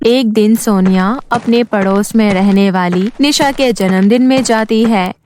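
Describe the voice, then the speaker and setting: A woman's voice: mid-range voice, measured pace, darkish tone, a little hiss or hum. A woman storyteller reading scripted narration for a children's cartoon story.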